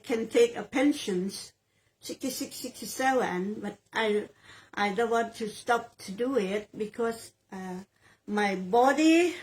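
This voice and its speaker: A woman in her sixties from Thailand with a Thai accent, a real estate sales agent answering interview questions in halting English, often repeating phrases as she looks for words. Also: on the high side, rough recording. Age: 60s.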